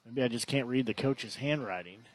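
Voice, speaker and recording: A man's voice: medium pitch, fairly quick, breathy edge, no room sound. Dry-miked male baseball announcer. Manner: conversational, self-correcting. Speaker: play-by-play announcer. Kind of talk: baseball commentary.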